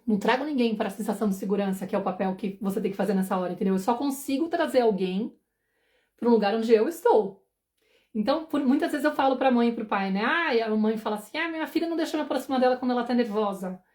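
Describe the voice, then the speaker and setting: Woman in her forties, parenting mentor on a live stream; rapid, slightly high voice, chatty, acts out worried inner voices. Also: expressive, darkish tone. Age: 40s. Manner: fast, conversational, often asks "entendeu?"; acts out anxious inner thoughts.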